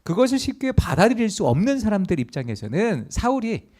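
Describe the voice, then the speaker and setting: A middle-aged male pastor preaches a sermon in a church sanctuary, his voice sitting high and moving fairly quickly. He tells stories in an animated way, acting out the voices of the people in them.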